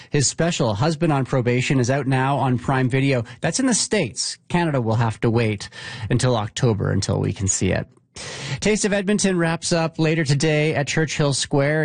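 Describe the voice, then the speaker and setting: A man hosting a radio show, chatting with a guest and then reading news in a smooth, conversational way. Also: mid-range voice, dry recording. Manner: friendly, conversational, smooth read-outs. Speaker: radio host.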